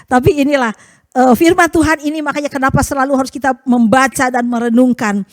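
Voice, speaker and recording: High-voiced chatty woman preacher. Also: fairly even intonation, fairly quick, dry recording. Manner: chatty, rhetorical tag questions, chuckles often; acts out quoted prayers and voices. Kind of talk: conversational sermon.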